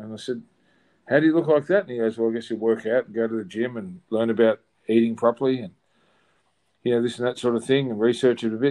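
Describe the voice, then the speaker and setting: Very fast speech with an Australian accent. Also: man. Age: 50s. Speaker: gym owner and bodybuilding figure. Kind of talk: podcast interview.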